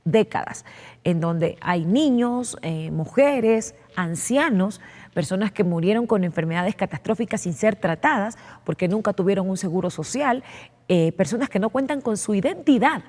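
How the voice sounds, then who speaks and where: A woman's voice: medium pitch, animated, normal speed, darkish tone. Woman legislator, reverberant studio. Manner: earnest explaining with frequent "eh" fillers and repeated words. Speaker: legislator being interviewed. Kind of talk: televised political interview. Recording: long reverb.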